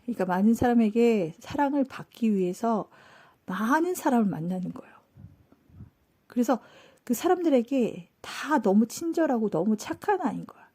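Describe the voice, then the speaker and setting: Woman, mellow low-bright tone, casual storytelling, acts out quoted lines. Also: normal speed, slightly rough. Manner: animated, acts out quoted dialogue. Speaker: channel host telling a story.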